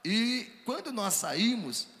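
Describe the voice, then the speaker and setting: A man, a pastor telling his story on a ministers' panel, acting out the dialogue with lively energy. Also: high voice, slow. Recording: hall reverb, faint background ambience.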